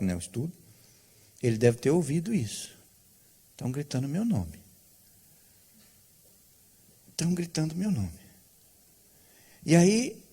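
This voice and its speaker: A man's voice: medium pitch, dark tone, breathy edge. A male pastor preaching a sermon, telling a story with rhetorical questions to the congregation.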